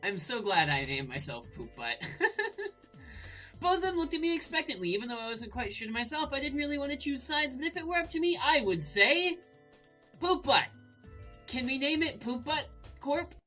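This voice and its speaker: A woman's voice: high voice, very animated, moderate pace, bright, forceful tone, faint music behind. A woman hosting a let's play, reading game text aloud and breaking in with irreverent, crude, jokey asides.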